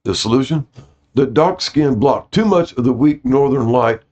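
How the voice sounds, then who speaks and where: Dull lo-fi recording, man reading aloud haltingly. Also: medium pitch, animated, darkish tone. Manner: stumbles over words and corrects himself; apologetic about his pronunciation. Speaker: host reading out notes to viewers. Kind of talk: reading aloud with informal asides. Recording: dull lo-fi audio.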